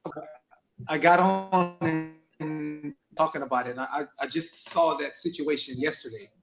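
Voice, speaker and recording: A man calling in over a choppy internet call that keeps cutting out. He talks haltingly and repeats words. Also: a little high, fairly even intonation, a bit bright. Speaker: caller. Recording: muffled lo-fi call line with faint music.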